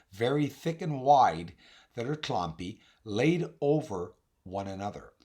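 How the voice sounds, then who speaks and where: A man with a hoarse, raspy, recovering voice hosts an informal walkthrough of images, talking emphatically and directly to his viewers. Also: lowish voice. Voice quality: raspy, husky. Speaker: video host, amateur telescope observer.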